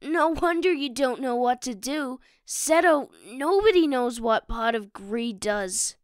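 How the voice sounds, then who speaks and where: A woman voicing a small, sweet, practical young boy in an audio drama, innocent and gently questioning. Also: high-pitched, lively intonation, measured pace, clean tone, no room sound, clean studio sound. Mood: amused. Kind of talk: fan audio drama acting.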